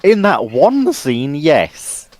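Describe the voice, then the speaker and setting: Lively, pedantic panelist with swooping intonation. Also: mid-range voice, very slow. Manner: contrary, pedantic. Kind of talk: casual geeky debate.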